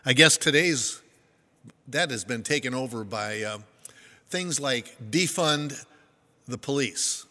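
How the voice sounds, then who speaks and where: An older man preaches in a bright, forward voice, his pitch rising and falling freely as he tells a folksy story. He pokes fun at himself between points. A long reverb trails his words through a large hall. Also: expressive, takes it slowly, pauses often. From United States. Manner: folksy storytelling with self-deprecating humor. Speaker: pastor. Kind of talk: sermon.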